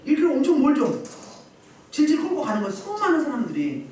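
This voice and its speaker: A woman pastor delivers a sermon at a healing service, her pitch swinging widely as she acts out shouting crowds. She is heard from a distance, and her voice rings around a very reverberant room with faint noise underneath. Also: fast talker. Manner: animated, acts out crowds and quotes. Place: church meeting room. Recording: echoey hall, distant mic.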